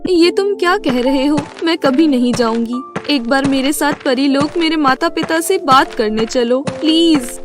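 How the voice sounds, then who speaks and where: A woman playing a young lovestruck fairy, earnest and determined, in an animated fairy tale. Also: sits high, measured pace, hardly any pauses, music in the background. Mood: pleading.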